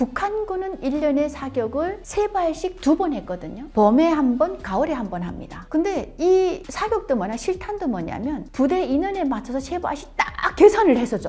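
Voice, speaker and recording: Over noticeable background noise, a woman with a high voice sounds animated, swinging very widely in pitch at a moderate pace with hardly any pauses. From North Korea. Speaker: North Korean defector and former soldier. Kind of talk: testimony.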